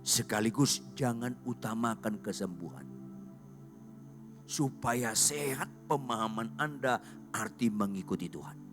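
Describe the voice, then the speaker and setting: A pastor preaching a sermon in a large church hall, swinging between shouting and half-voiced asides. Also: male voice, mid-range voice, lively intonation, unhurried. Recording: long hall reverb, faint music.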